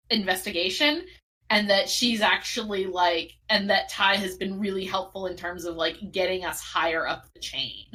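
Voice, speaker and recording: Bright-voiced woman player, chatty. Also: medium pitch. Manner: hesitant, restarts, chatty. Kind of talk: casual tabletop game chat.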